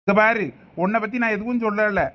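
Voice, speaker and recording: In a village comedy skit, a man plays an aggrieved middle-aged brother who insistently complains and demands his property back, using a Thoothukudi Tamil accent. His voice is high with fairly even intonation, a little fast, and close to how he'd normally talk. The sound is lo-fi.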